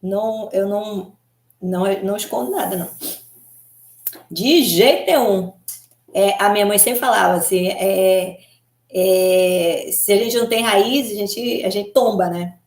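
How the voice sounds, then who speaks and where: Woman from the north of the country, a hair color expert chatting live with viewers. Giggly, talkative, keeps checking in with tag questions. Mid-pitched voice in a roomy, echoing space. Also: a little slow, a little mellow. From Belém do Pará, Brazil. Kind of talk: casual live chat answering viewers.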